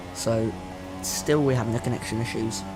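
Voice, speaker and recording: Music plays in the background, and audible room echo surrounds the speaker. A man with a medium pitch speaks at a fairly quick pace. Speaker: sim racing gamer / YouTuber. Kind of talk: gameplay commentary. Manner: stuttering, unscripted.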